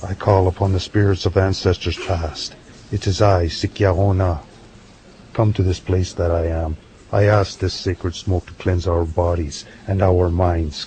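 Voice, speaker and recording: Guy acting as a wise old-style medicine man, real low voice, ceremonial and riddly, audio drama with noise behind. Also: warm tone, low-quality recording. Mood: reverent invocation. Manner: measured, ceremonial, speaks in riddles.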